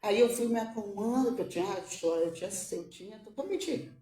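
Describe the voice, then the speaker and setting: A mother giving an emotional religious testimony, halting and repeating her words, tearful at times. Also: medium pitch, animated, mellow, reverberant, recorded from a distance.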